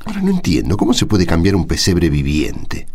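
A man playing a reasonable, teasing friend in a radio drama, colloquial and gently scolding, with an Argentine accent. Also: sits low, wildly swooping pitch, brisk, slightly rough, full character voice. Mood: curious teasing. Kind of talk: Spanish-language radio drama.

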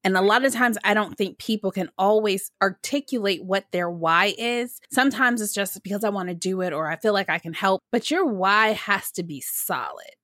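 A woman's voice: mid-range voice, moderate pace, hardly any pauses, a bit bright, no room sound, studio quality. An American woman from Michigan with a valley girl way of talking, hosting a podcast in a conversational style. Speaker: podcast host. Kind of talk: conversational interview talk.

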